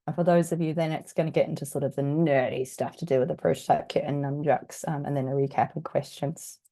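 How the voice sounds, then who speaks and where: A woman from New Zealand with a husky, croaky voice, still getting over an illness, presenting an online workshop in a chatty, self-deprecating way with plenty of fillers. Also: low voice, fairly even intonation, fast, warm tone. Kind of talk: casual online workshop talk. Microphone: video call.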